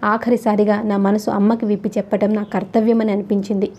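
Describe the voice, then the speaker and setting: Mellow-voiced woman reading a novel. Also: mid-range voice, level tone, brisk. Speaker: audiobook narrator. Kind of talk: first-person novel reading. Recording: slightly dull lo-fi recording.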